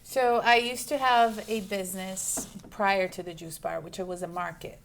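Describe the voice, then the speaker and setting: A shop owner from Brazil, a woman in her forties, talks through her answers casually. She fills pauses with ums and restarts her sentences, at an ordinary pitch. A faint hiss sits under the recording. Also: steady tone, vocal fry. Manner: chatty, lists things with many ums and restarts. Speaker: juice bar owner.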